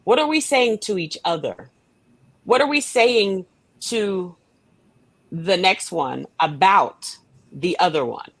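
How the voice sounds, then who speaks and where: A woman's voice: lowish voice, animated, slow pace, pauses often, fairly bright tone, no echo. A woman guest in a conversational interview, speaking earnestly and emphatically and often posing rhetorical questions. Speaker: guest from a stage play production.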